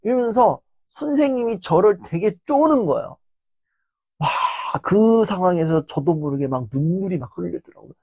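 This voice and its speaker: Young male lecturer, husky tone, lively pitch, dry close sound, storyteller who leans on fillers. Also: normal speed, no room sound. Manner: animated anecdotal telling with constant fillers. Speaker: motivational lecturer.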